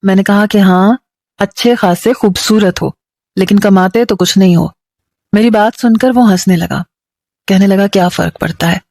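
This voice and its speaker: A woman reading a first-person story aloud in an even, plain storytelling tone. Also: medium pitch, no echo.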